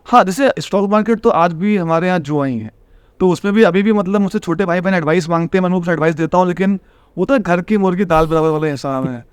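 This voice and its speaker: A man from Bihar speaks with a notably high, smooth voice, recorded close and dry. He is an earnest guest who gives advice and talks through his lessons. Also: fast talker, no echo. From Bihar, India. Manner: earnest, advice-giving, calls the host brother. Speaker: trader and IIT coaching teacher, podcast guest. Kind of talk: casual interview talk.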